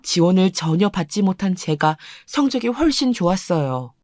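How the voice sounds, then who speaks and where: Woman storyteller, calm confiding first-person narration, dry and close. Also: on the low side, normal speed, dry recording.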